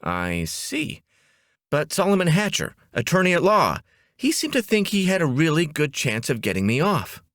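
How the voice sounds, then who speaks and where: A hapless, puzzled office guy played by a man, meek and hesitant. His voice is bright and lively in pitch, close and dry, in comic audiobook style. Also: moderate pace, no room sound. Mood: uncertain. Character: bewildered, meek male ad man, the hapless hero.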